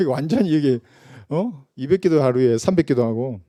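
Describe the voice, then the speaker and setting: Mellow-voiced pastor preaching in a dry room. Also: male voice, fairly high pitch, expressive, moderate pace, no echo. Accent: Gyeongsang Korean. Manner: conversational preaching, rhetorical questions, acts out quoted voices. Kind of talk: sermon. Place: church.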